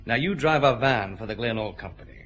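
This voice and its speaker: An actor playing a firm, methodical police chief inspector, questioning a suspect in a vintage radio drama. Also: male voice, medium pitch, lively intonation, fairly bright tone, dull audio, close to an everyday voice. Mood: stern. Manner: brisk, methodical, dry authority.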